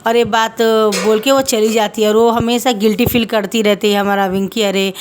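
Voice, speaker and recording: Woman, storyteller, casual chatty narration, somewhat high voice. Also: normal speed, a little hiss or hum. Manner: chatty, animated retelling with asides.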